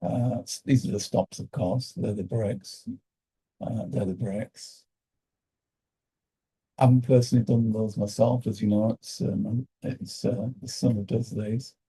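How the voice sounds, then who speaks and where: A British man with a croaky voice, hosting a live day trading session and thinking aloud with halting fillers. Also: on the low side, fairly even intonation, dark tone, poor audio.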